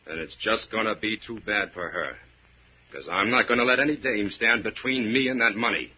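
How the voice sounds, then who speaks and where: A man's voice: lowish voice, moderate pace, breathy edge. An actor playing a ruthless, bossy bank robber in an old radio drama, talking in clipped tough-guy slang with a commanding manner. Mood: menacing. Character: ruthless bossy male bank robber, hard-boiled crook. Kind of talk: 1940s-50s radio drama acting. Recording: muffled old radio recording, faint hiss.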